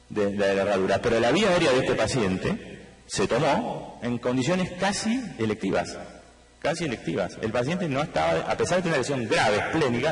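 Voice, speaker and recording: A man's voice: mid-range voice, reverberant, big-room sound, poor audio. A man with an Argentine accent giving a medical conference lecture. He explains at length, speaks straight to the audience and throws in rhetorical questions. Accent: Argentine Spanish. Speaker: anesthesiologist lecturer. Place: large conference hall.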